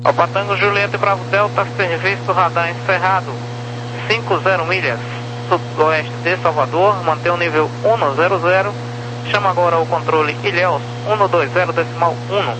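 A Brazilian man with a slightly high voice gives air traffic control instructions. The radio channel carries clear hum and noise behind his procedural calls. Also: steady tone, moderate pace. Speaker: radar approach controller. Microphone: radio transmission.

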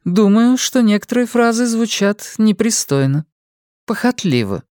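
A male audiobook reader voicing a stern, disapproving older mother, raising his voice into a prim, sharp-tongued tone. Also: high voice, lively intonation, a little slow, clean tone, no room sound, studio quality, voice pushed up. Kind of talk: audiobook character voice.

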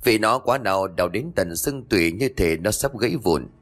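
A man narrating a ghost story in an expressive, dramatic storytelling manner. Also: fairly low pitch, moderate pace, faint music behind.

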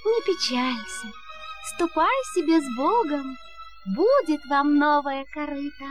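An actress voicing a gentle, regal magical golden fish in a fairy-tale audio play, with a soothing singsong delivery. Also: female voice, sits high, lively intonation, a little slow, faint music behind. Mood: reassuring.

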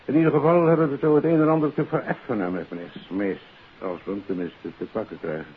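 An actor playing a confident, authoritative senior police chief in a 1950s Dutch radio play. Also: male voice, mid-range voice, little pitch movement, fast, lightly acted. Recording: tinny, hissy old radio recording.

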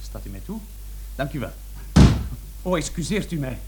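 A man's voice: fairly high pitch, sing-song, moderate pace, very noisy. An actor playing a timid, flustered young man taking a survey, apologetic and hesitant, in a Dutch radio play. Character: timid, over-polite, flustered young male survey taker.

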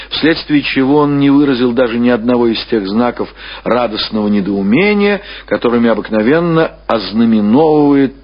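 Male narrator for literary radio reading; husky, slow, expressive phrasing, slightly muffled vintage sound. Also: mid-range voice. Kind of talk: scripted dramatic literary narration. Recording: dull old radio recording.

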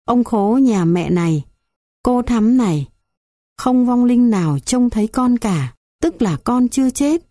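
Woman doing a frail old granny voice, high and loud-ish, dazed and pleading, dark dry read. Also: animated, a little slow, dry recording.

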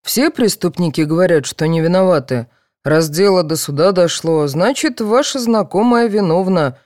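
A woman voicing a tired male court guard who speaks in curt, flat orders. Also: fairly low pitch, moderate pace, no echo, clean studio sound, close to an everyday voice.

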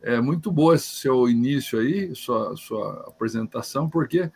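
A man's voice: mid-range voice, lively intonation, measured pace, gravelly, husky. A man from Brazil co-hosting a talk show in a chatty way, often repeating words while he searches for them. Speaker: co-host. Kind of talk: casual chat.

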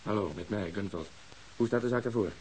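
A man acting a gruff, hot-tempered, impatient policeman in a radio drama. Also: fairly low pitch, fairly quick, a little mellow, lightly acted. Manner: blustering, swearing, impatient. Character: gruff, hot-tempered policeman laid up under a nurse's care. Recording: hissy, noisy old radio recording.

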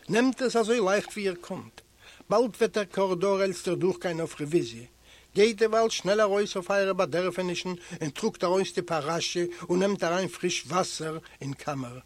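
A man reading aloud voices a warm, fatherly prison guard who speaks gently and a little louder than the narration. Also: high voice, moderate pace, natural voice. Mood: kindly.

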